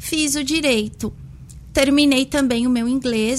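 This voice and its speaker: A woman talks at a fairly slow pace in a high voice, her intonation fairly even. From Brazil, São Paulo. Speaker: lawyer. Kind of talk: interview. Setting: live-streamed video podcast.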